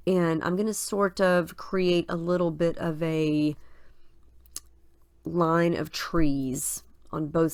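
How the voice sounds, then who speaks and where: A craft video host narrates her scrapbooking process in a casual voice-over, relaxed and chatty, thinking aloud as she works. Her slightly low voice is scratchy and nasal from a head cold, and the recording is dry and close.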